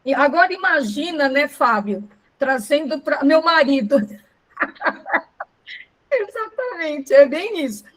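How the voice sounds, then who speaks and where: A high-voiced woman co-hosts a casual live sales class. She draws her audience in with questions and explains her points in an easy, conversational way. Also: lively intonation, normal speed, poor audio. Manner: engaging, asks the audience questions. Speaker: co-host, sales trainer.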